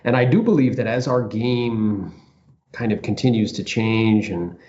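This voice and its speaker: A man with a fairly low voice hosts a casual interview, building his questions slowly with plenty of likes and ums. The sound is dull and lo-fi. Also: a little mellow. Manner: thinks aloud with many fillers, like and kind of. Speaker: podcast host.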